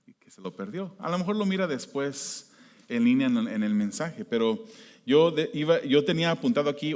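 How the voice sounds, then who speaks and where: A man from the United States preaching a sermon as pastor, shifting between loud emphasis and quiet, hushed prayer. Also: mid-range voice. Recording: long hall reverb.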